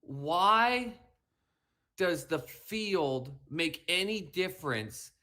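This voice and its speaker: On a sports talk podcast, a male co-host launches into an animated rant, lecturing emphatically and repeating his points. His whiny, slightly mushy voice sits high and sharp, with lively intonation, though he speaks very slowly.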